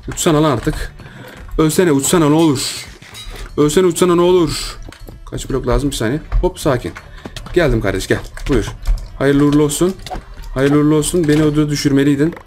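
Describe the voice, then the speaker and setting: An excitable man chatters through a Minecraft let's-play, repeating words and teasing the other players. His voice sits in a middle pitch, and faint music runs quietly under the commentary. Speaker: gaming YouTuber.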